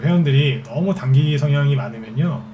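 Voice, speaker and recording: A man's voice: on the high side, fairly quick, noisy background. A man giving a stock trading lecture as a market expert, who keeps asking rhetorical questions and answering them himself. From Seoul capital region.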